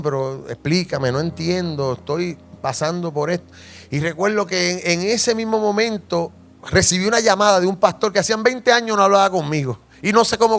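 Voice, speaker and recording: A man's voice: high voice, creaky. A Puerto Rican man, a pastor, telling a personal testimony in a sermon and asking the congregation questions. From Puerto Rico. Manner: animated storytelling, asks the congregation questions.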